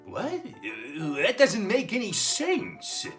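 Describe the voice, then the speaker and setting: A man's voice: high-pitched, wildly swooping pitch, slow, a bit bright, soft background music, full character voice. A man voicing a bored, doubtful mailman puppet in a comedy puppet show, muttering in an unenthusiastic way.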